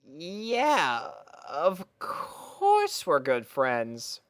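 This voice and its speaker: A woman's voice: low voice, wildly swooping pitch, very slow, voice pushed up, exaggerated voice. A woman voicing a casual, mildly bewildered young boy dragon in a storybook reading. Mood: confused, friendly. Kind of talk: storybook character voice in a fan fiction reading.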